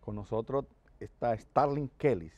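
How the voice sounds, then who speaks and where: A man's voice: medium pitch, a little slow, mellow, dull audio, soft background music. An older man hosting a Catholic TV talk show, earnest and welcoming, speaking on a lapel mic in a studio. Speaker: host. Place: TV studio set, seated in armchair.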